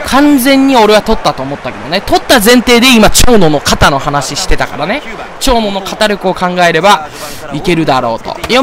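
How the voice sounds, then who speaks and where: Excitable man ranting over games. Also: sits high. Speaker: gaming video host. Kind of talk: let's play commentary. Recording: game crowd noise behind.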